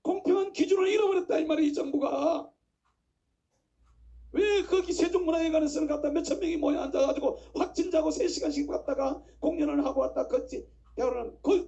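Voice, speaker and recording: High, gravelly impassioned pastor. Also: male voice, dark tone. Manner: impassioned, emphatic preaching with rhetorical questions. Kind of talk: sermon. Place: church pulpit. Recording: dull lo-fi recording.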